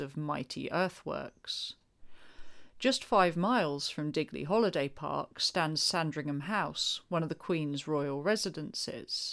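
A woman with a British accent speaks at a fairly slow pace in a serious tone, her pitch very deep and low with ordinary variation. The recording is very clean, with a silent background. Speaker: true crime podcast narrator. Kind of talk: scripted true-crime narration, read from researched script. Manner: measured, serious, even-paced storytelling; formal, descriptive, atmospheric.

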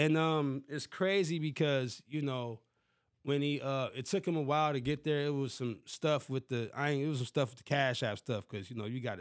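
Fairly quick in pace, a man speaks in a plain, everyday voice. His pitch varies in an ordinary way. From US Midwest, Milwaukee north side. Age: 30s. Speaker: hip-hop producer and beat maker. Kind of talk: casual interview chat.

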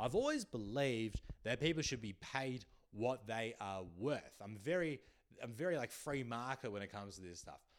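In an Australian accent, a man talks at a moderate pace with a medium pitch. His tone is animated and his intonation lively. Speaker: comedian. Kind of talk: comedic monologue podcast.

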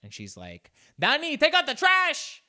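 A man with a Californian accent and a bright, sharp tone, ordinary pitch variation, very clean recording and silent background. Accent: Californian American English. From Los Angeles, US. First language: Spanish. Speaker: comedian podcast host. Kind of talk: casual solo monologue.

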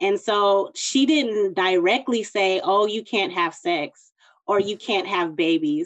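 A woman with an ordinary speaking voice talks at a fairly slow pace. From Southern California. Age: 30s. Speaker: HIV advocate. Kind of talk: interview. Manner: casual, many fillers.

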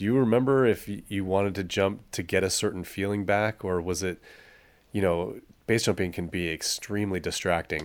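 Here a man speaks in an ordinary speaking voice at a fairly low pitch with fairly even intonation. The recording is very clean, with a silent background. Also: fairly quick pace. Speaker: podcast co-host. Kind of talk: interview.

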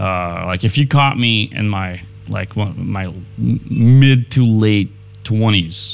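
There is noticeable background noise behind a man who talks at a very slow pace. His pitch is fairly low, with ordinary pitch variation. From Ukraine, then Israel. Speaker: musician. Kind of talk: casual chat.

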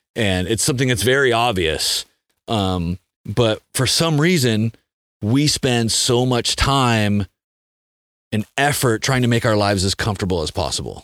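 On a very clean recording with a silent background, a man with an American accent speaks at a fairly slow pace. His medium pitch shows ordinary variation, and the sound is dry and close with no echo. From US West Coast, San Diego. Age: 40s. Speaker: adaptive athlete. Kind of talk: casual interview. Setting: in a van. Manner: halting, many fillers.

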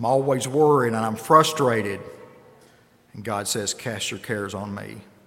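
With a Kentucky accent, a man at a medium pitch speaks with ordinary pitch variation and big swings in loudness. Long, frequent pauses break up his speech over noticeable background noise. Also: moderate pace. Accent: Southern US (Kentucky). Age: 60s. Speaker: lay preacher. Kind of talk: sermon. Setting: church. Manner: halting.

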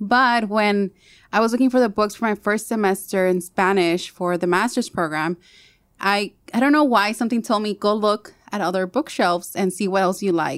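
A woman with an American accent has a normal speaking voice at a medium pitch. She talks at a moderate pace with ordinary pitch variation, in a very clean recording with a silent background. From US (Compton, California) and rural Jalisco, Mexico. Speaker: professor and cultural activist. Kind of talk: interview. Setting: in person at a college.

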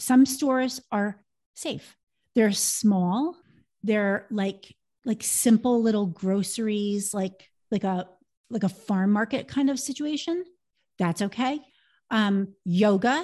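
A woman with a dark, mellow tone, somewhat breathy, at a very slow pace with long, frequent pauses and ordinary pitch variation, against a quiet background. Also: fairly high pitch for a woman. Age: 50s. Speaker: podcast host, Ayurveda practitioner. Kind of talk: casual chat. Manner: halting.

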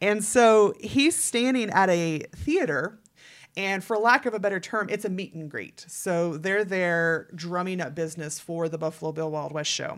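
In a very clean recording with a silent background, a woman with an Oklahoma accent speaks at a moderate pace and a medium pitch. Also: ordinary pitch variation. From Oklahoma, Stillwater. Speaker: museum historical interpreter. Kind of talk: casual chat.

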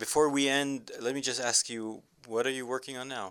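A man's bright, sharp tone at a moderate pace, in a very clean recording with a silent background. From Israel. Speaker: university lecturer. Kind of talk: interview.

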